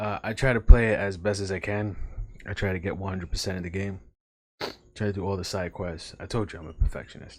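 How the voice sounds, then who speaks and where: A man with an American accent talks at a very fast pace in a fairly low pitch, his intonation fairly even but his loudness swinging widely, on a very clean recording with a silent background. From New York. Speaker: podcaster and game streamer. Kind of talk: casual monologue.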